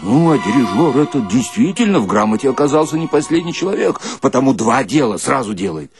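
A man's voice: medium pitch, brisk, over music. A man performing a colloquial comic monologue as a storyteller, with a folksy, theatrical delivery. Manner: folksy, theatrical, animated, breaks into mock singing.

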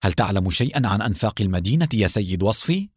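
A calm police captain who speaks quietly and evenly, read by a man. The storybook reading is dry and close, with lively pitch. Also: breathy edge, dry recording. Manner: quiet and measured. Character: calm male police captain, team leader.

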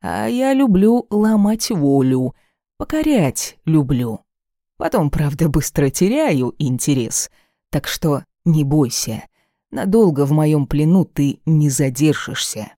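A man's voice: fairly high pitch, big pitch swings, warm tone, no echo, clean studio sound, full character voice. A reader putting on a menacing male caliph. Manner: menacing, slow and commanding. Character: domineering cruel male caliph, adult, mocking. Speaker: desert ruler holding the heroine captive.

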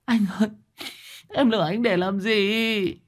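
A man's voice: high voice, steady tone, a little slow, pitched above the performer's own voice. A man voicing a frightened young village wife who pleads and swears she is telling the truth. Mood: hurt. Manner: pleading, tearful, swearing oaths.

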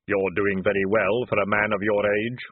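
A man doing Death, slow and solemn. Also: fairly low pitch, level tone, husky, dry recording, phone-quality sound. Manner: measured, solemn. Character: calm, deep-voiced personification of Death.

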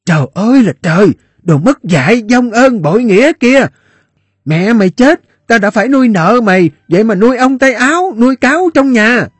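A man's voice: extremely high pitch, animated, normal speed, husky, dry recording, pitched above the performer's own voice, exaggerated voice. A man voicing a fat, abusive middle-aged woman who screeches and wails in a piercing, hysterical voice. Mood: shrieking abuse. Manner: shrieking, wailing, hysterical scolding.

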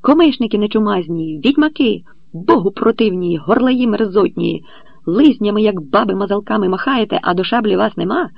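A man voicing a furious Cossack captain who shouts and scolds a rowdy crowd in an audiobook. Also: high voice, animated, a little fast, gravelly, dry recording, voice pushed up, full character voice. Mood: furious, scolding. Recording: dull lo-fi recording.

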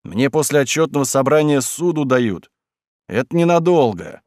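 A man voicing a quiet, worried village man who speaks in a subdued, reluctant way. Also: medium pitch, very animated, normal speed, no room sound, clean studio sound, pitched above the performer's own voice, natural voice.

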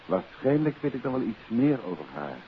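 An actor playing a confident gentleman detective in a 1950s radio drama. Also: medium pitch, sing-song, normal speed, natural voice. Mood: reassuring, firm. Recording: dull, hissy 1950s radio recording.

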